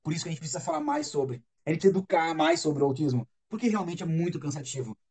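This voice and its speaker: A man's voice: a little high, big pitch swings, fast talker, darkish tone. A Brazilian father giving a live stream talk, earnest and emphatic, repeating words to stress his point. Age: adult father. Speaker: speaker on autism parenting. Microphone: webcam or phone on a live stream.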